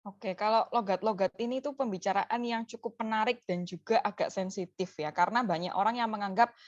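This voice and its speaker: A woman's voice: medium pitch, fairly quick, no echo, highs cut off. A woman speaking on a webinar, explaining casually and mixing in English phrases. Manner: casual, mixes in English phrases, gives examples.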